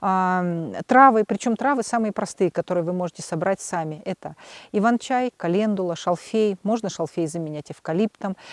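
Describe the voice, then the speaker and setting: A woman with a normal speaking voice talks at a medium pitch and moderate pace, the sound dry and close with no echo against a quiet background. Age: 50s. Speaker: herbalist and pharmacist. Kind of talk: tutorial.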